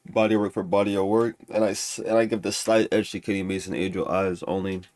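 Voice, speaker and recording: A man's voice: lowish voice, level tone, fast, darkish tone. A man with a stuffy nose ranking music albums in casual, rambling talk full of restarts and fillers. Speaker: music reviewer.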